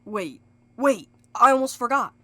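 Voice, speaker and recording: Blunt female courier played by an actress, sharp bright tone, very animated, sardonic, for a fiction podcast. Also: fairly high pitch, measured pace, no room sound, full character voice. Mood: urgent. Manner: blunt, sarcastic. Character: blunt, sardonic woman courier with an impatient streak. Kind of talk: scripted audio drama acting.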